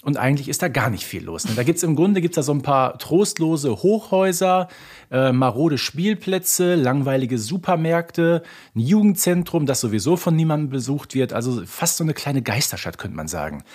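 A man's voice: a little high, expressive, normal speed, darkish tone. A man from North Rhine-Westphalia in Germany, co-hosting a casual podcast and explaining things in careful detail. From North Rhine-Westphalia, Germany (Ruhr area). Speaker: podcast co-host. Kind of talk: casual conversational podcast discussion.

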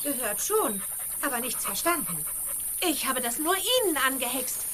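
A woman's voice: high-pitched, big pitch swings, moderate pace, background noise. An actress playing a cheeky, confident young witch girl in a children's audio drama.

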